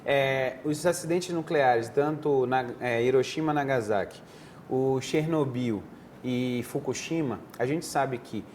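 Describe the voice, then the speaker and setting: A head and neck surgeon from Northeastern Brazil answers interview questions at a TV studio desk, explaining in a didactic, conversational way and often restarting his sentences. His voice is mid-range and a little mellow, with slight background noise.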